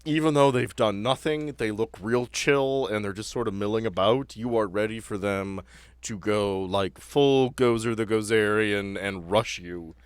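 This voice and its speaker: A man with a low voice, recorded close and dry, runs a tabletop game. He talks his players through rulings casually and jokes as he goes. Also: a little slow, clear, resonant tone, no room sound. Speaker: game master of a tabletop roleplaying podcast.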